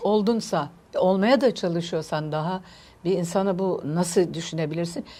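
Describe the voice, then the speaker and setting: A woman with a dark, mellow tone, fairly low pitch, moderate pace and ordinary pitch variation. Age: 70s. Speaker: Turkish music singer and stage actress. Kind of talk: interview answer.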